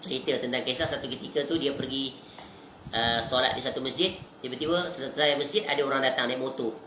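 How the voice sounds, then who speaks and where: A man giving a religious lecture, lively and emphatic, swinging between raised, pressing lines and hushed, low asides. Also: quick pace. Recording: echoey room with faint background noise.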